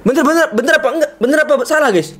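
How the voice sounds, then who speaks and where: A man's voice: very high-pitched, lively intonation, racing, fairly bright tone. A man from Indonesia, playful and chatty, giving casual live commentary while streaming a game and constantly calling out to viewers. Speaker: gaming streamer.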